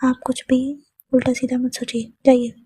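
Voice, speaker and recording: A woman's voice: high voice, completely flat delivery, normal speed, dark tone, breathy edge, no room sound. A woman doing a scolding woman teacher. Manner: scolding, firm. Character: stern but amused woman teacher.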